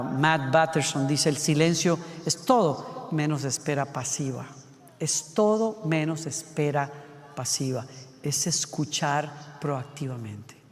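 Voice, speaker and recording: A man delivers a sermon in a fairly high voice, trading brisk questions to the audience for hushed, near-whispered lines. His words ring out with a long hall reverb behind them. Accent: Latin American Spanish. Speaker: preacher.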